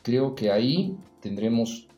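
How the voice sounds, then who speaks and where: Mellow-voiced man telling stories reflectively. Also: mid-range voice, lively intonation, takes it slowly, reverberant, soft background music. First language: Spanish. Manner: reflective, storytelling, frequent "¿no?" tags. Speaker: podcast guest. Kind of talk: casual interview conversation.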